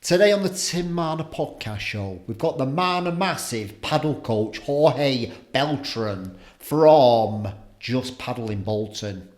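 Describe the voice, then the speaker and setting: A man's voice: medium pitch, animated, slow pace, hardly any pauses. A man hosting a podcast, asking friendly questions and adding tag questions. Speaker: podcast host. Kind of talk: casual interview conversation. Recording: roomy echo.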